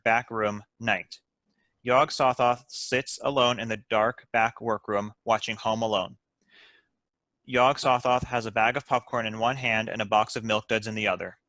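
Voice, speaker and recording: A man's voice: medium pitch, bright, forceful tone, no room sound. A man reading stage directions as scripted narration for a comedy table read.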